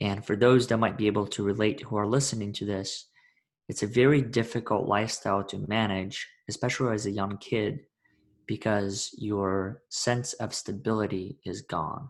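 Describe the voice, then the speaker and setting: At a moderate pace, a man speaks with a fairly low pitch and fairly even intonation. The recording is very clean, with a silent background. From Russia, moved to US at 12. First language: Russian. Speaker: podcast host and motivational speaker. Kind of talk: interview, personal life story.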